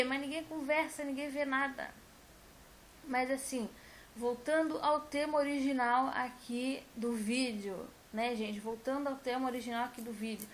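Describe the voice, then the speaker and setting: A woman's voice: high voice, slight background noise. A woman, a teacher, talking casually and emphatically to her viewers and repeating her points. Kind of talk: casual talk to camera.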